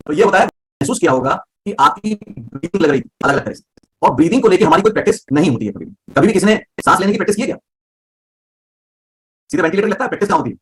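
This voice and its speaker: Male voice teacher, quick and slightly high, explains with simple examples. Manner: explains with everyday examples and checks understanding. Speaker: voice coach. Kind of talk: live online class.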